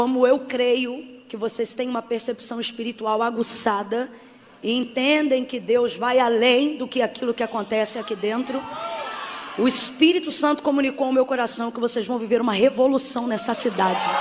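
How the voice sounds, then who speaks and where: A high-pitched woman's voice with fairly even intonation, over noticeable background noise. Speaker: pastor. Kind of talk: sermon. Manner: slow.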